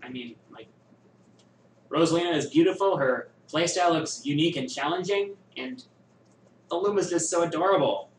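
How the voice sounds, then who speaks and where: A man hosting a viewer question show, musing and thinking aloud with many pauses in casual chat. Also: on the high side, far from the mic, a little hiss or hum. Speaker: host answering viewer questions. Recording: echoey room, voice a bit off-mic, faint ambience.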